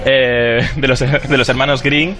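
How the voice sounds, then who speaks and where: A man's voice: medium pitch, little pitch movement, measured pace, pushed and bright, faint music behind. Chatty man on radio. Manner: chatty and nostalgic, hums and sings snippets. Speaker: radio TV-history pundit. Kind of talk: casual radio chat.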